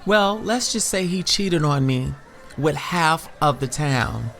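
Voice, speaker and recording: A man voicing a flirty, excited trans woman on a date, with a coy, sassy lilt, in an audio story. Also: a little high, slow, creaky, faint music behind, exaggerated voice. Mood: coy, warm.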